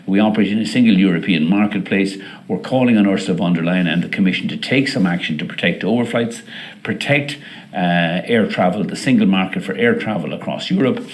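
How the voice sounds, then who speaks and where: Low-voiced male airline executive. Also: a little fast. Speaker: airline executive presenting results. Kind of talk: semi-scripted corporate earnings presentation.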